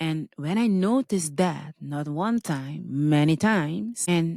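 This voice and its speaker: A woman talks at a very slow pace, the sound dry and close with no echo. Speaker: podcast host. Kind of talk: motivational monologue. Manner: loud.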